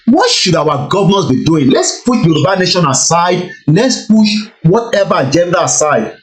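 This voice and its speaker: A man's voice: high-pitched, big pitch swings, moderate pace, faint music behind. A man hosting an online talk show, asking guests pointed questions in a conversational way and mixing Yoruba and English. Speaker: host.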